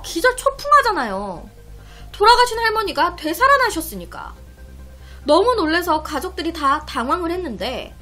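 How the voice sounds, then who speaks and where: A woman's voice: very high-pitched, sharp tone. A woman telling a mystery story to her viewers, dramatic and chatty, with asides to the audience. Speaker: storytelling YouTuber. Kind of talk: narrating mystery stories.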